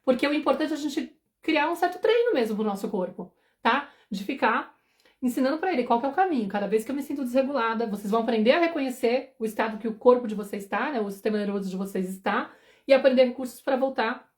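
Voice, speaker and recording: Fast-talking woman parenting mentor. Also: a little high, expressive. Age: 40s. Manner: fast, conversational, often asks "entendeu?"; acts out anxious inner thoughts. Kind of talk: live stream talk.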